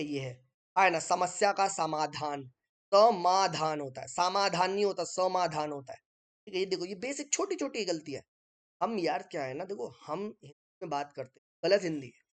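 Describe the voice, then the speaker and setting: A man teaching an informal online exam-prep lesson, explaining step by step while writing on screen and checking in with listeners. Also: high-pitched. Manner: chatty, keeps checking in with listeners.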